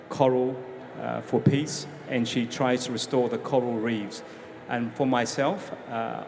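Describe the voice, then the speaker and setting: Middle-aged kiwi guy on a panel, talks steady, big echoey hall, background noise clear. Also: medium pitch. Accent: New Zealand. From New Zealand. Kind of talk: conference panel introduction. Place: large conference hall.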